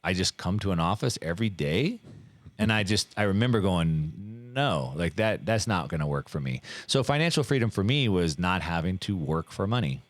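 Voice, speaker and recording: A middle-aged man telling his life story in a casual interview, animated and full of fillers and restarts. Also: low-pitched, normal speed, dry recording. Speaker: guest.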